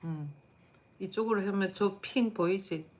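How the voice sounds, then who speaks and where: A woman's voice: medium pitch, unhurried. A middle-aged woman hosting a live stream, chatting casually and bluntly with viewers while tired. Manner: blunt, chatty, answers chat comments aloud.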